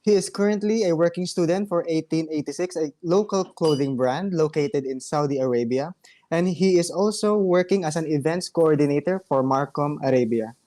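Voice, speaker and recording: A man's voice: fairly high pitch, moderate pace, mellow. A man hosting an online event and formally introducing speakers. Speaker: host.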